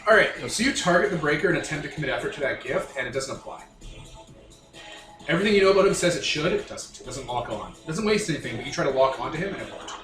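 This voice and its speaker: A man's voice: a little high, expressive, fast talker. A man acting as game master, improvising narration and banter in a casual, emphatic way. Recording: roomy echo, off-mic, music underneath. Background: music.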